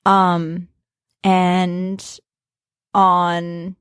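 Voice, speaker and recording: Slow-paced woman with a clear voice. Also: lowish voice, completely flat delivery, no echo, studio quality. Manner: halting, thinking aloud. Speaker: improv comedian and actor, podcast guest. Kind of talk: casual chat.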